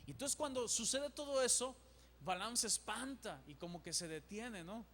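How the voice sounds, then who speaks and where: Male pastor, animated sermon; high pitch, long church reverb. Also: normal speed, a little hiss or hum. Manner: animated, acts out dialogues.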